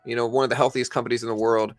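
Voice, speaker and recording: A man's voice: mid-range voice, flat delivery, very fast, no echo, faint music behind. A man hosting a livestream, casually commenting on the stock market and explaining things conversationally as he answers viewers. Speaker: livestream host.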